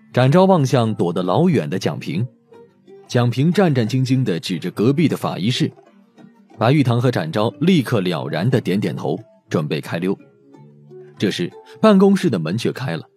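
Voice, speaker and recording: Animated male audiobook narrator. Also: lowish voice. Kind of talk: expressive scripted story narration. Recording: music behind the voice.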